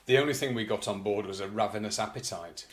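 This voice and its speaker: A man's voice: lowish voice, fast talker. Man reading aloud in an echoey room. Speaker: presenter reading an old news article. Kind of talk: reading aloud with casual asides.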